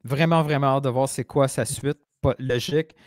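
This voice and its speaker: A man's voice: medium pitch, steady tone, moderate pace, no echo, clean studio sound. A man co-hosting a casual soccer podcast, prodding his partner with questions. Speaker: podcast co-host.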